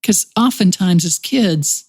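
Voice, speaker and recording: A middle-aged woman with a Texas accent, speaking gently and reassuringly as a podcast host in a reflective chat. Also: on the low side, slow pace, breathy edge. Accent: Texan.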